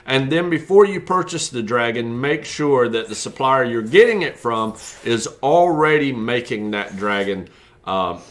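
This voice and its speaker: A man's voice: mid-range voice, lively intonation, unhurried. A man who breeds reptiles, explaining care tips in a casual, folksy way with many fillers.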